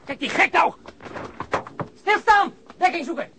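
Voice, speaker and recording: An actor in a Dutch radio drama playing an alert, commanding plainclothes police detective. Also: male voice, very high voice, lively intonation, unhurried, noisy background. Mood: urgent shouting.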